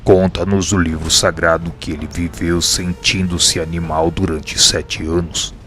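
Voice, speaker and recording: A man playing a wise, grave spirit mentor in a radio drama, speaking in a measured, didactic way. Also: low voice, level tone, fairly bright tone, soft background music. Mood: grave, instructive. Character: wise, grave male spirit mentor teaching his pupil.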